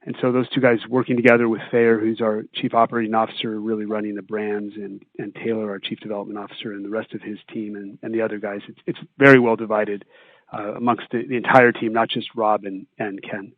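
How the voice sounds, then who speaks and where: A man answers investor questions as a company executive, with a flat, even pitch and a measured, halting delivery. His voice comes over a tinny phone line with a roomy echo. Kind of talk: answering questions on an earnings call.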